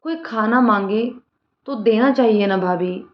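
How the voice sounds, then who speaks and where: Woman playing a young woman, calm, resolute, soft, earnest, echoey dull recording. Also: mid-range voice, measured pace, close to an everyday voice. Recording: roomy lo-fi room sound.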